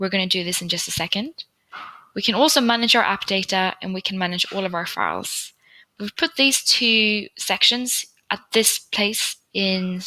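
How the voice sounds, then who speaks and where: A woman with a Swedish accent speaks at a medium pitch and moderate pace, her tone bright and sharp, with ordinary pitch variation. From Sweden. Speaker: customer success executive. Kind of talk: tutorial. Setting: office.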